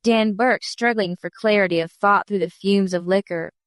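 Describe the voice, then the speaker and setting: Woman, mid-range voice, audiobook reading, clear and even, dry close sound. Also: mid-range voice, moderate pace, no room sound. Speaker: audiobook reader. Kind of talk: scripted narration of a classic story.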